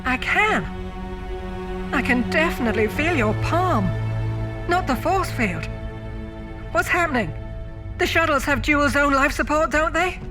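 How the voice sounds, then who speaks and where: A starship captain in a sci-fi audio drama, speaking slowly over a faint music bed. She is weary and composed, with grief held under a measured delivery. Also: high-pitched, expressive. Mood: startled. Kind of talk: science fiction audio drama acting.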